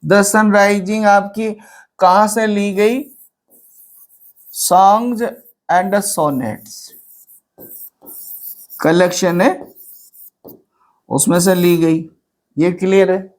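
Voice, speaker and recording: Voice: mid-range voice, steady tone, extremely slow, long pauses. A teacher giving an exam-prep literature lecture. They ask students questions, then answer them in repetition.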